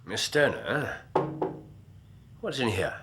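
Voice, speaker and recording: An actor playing a sharp, commanding middle-aged detective in a radio drama, precise and clipped. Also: male voice, mid-range voice, very animated, slow pace, loud music behind the voice. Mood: probing.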